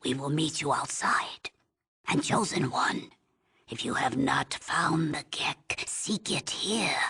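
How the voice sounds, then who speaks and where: A woman playing a weary, stern old tribal elder in a video game, with a breathy, husky rasp and a solemn, halting, commanding manner. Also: low-pitched, animated, pushed and bright, exaggerated voice. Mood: weary, grave. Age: older. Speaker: village elder. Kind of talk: dramatic video game voice acting.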